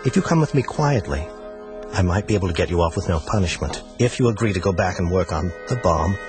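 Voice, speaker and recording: A man's voice: low voice, animated, quick pace, over music. An actor playing a suave, menacing male agent from the future who hunts a runaway couple, in a radio drama. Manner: suave, mocking, patient menace. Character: menacing male time agent, smug cold hunter.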